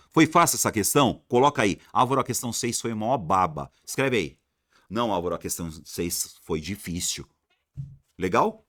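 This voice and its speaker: A man's voice: on the low side, fairly bright tone, no echo, studio quality. A man teaching an exam-prep grammar lesson, repeating rules emphatically and answering imagined student questions.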